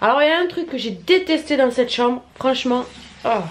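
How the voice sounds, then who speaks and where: A woman talks fairly quickly in a high voice, her pitch swinging very widely. Light background noise runs underneath. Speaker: vlogger. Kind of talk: casual vlog chat. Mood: chatty, mildly complaining. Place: home room. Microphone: phone near.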